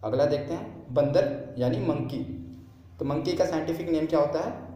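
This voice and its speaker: A man's voice: on the high side, moderate pace, dark tone. Echoey man teaching exam prep. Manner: asks and answers his own questions, repeats key terms. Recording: very echoey room.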